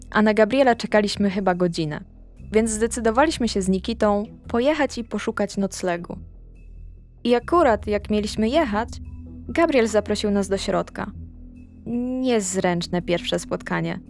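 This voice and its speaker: A young woman recapping her tabletop character's story in character. She talks straight to the listener in a gossipy, confiding way, and her pitch leaps up when she gets excited.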